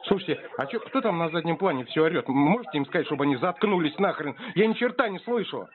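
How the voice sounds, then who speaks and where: A man's voice: on the high side, lively intonation, fast. A man in a casual phone chat, talking in a rambling, slangy, provocative manner. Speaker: prank caller answering a telemarketer. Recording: noisy tinny phone line with clicks.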